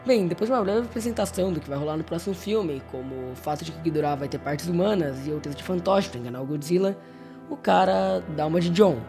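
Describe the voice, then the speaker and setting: A man's voice: on the high side, quick pace, music in the background. A man with a Brazilian accent narrates a story recap as a video host, in a casual scripted style with informal, wry asides. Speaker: YouTube host narrating horror series recaps.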